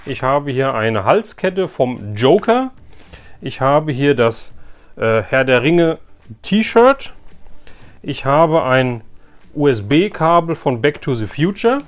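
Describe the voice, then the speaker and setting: A man's voice: mid-range voice, sing-song, takes it slowly, pauses often. A man doing a casual unboxing commentary for viewers, thinking aloud informally and giving frank opinions. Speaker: YouTube host unboxing products.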